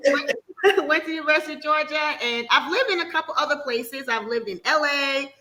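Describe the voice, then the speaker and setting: Woman, middle-aged, from Jamaica via New Jersey, interview guest, upbeat, bright tone, slightly high pitch. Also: expressive, fairly quick, poor audio. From Jamaica, raised in New Jersey. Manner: upbeat and laughing. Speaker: mortgage broker guest. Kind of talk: casual interview talk.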